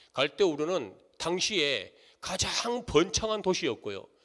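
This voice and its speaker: Vocal fry marks this man's speech. He moves through very wide pitch swings. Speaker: church deacon, evangelism speaker. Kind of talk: church lecture on evangelism. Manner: animated, humorous.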